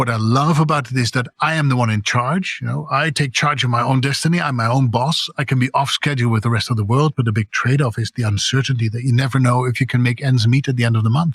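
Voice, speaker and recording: A man at a medium pitch talks at a very fast pace with hardly any pauses. He sounds somewhat breathy, with fairly even intonation. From Netherlands. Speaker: voice-over artist. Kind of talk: interview.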